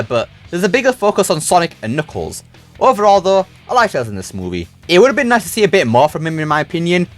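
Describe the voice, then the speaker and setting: A man giving a scripted but conversational film review as a video host, with casual, opinionated phrasing. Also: fairly high pitch.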